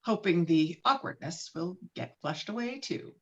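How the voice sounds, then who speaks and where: A woman's voice: on the low side, expressive, moderate pace. A woman narrating scripted stage directions at a virtual table read. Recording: dull lo-fi video call audio.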